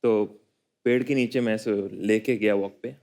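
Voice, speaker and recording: A man appearing as a talk show guest, telling how he proposed in a halting, plain way. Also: on the low side, fairly even intonation, a little mellow. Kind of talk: casual storytelling on a talk show.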